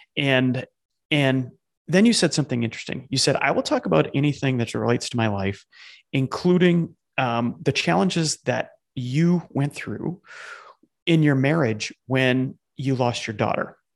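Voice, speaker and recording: At a moderate pace, a man with a normal speaking voice, medium pitch and ordinary pitch variation talks over a quiet background. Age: 40s. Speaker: podcast host. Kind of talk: casual chat.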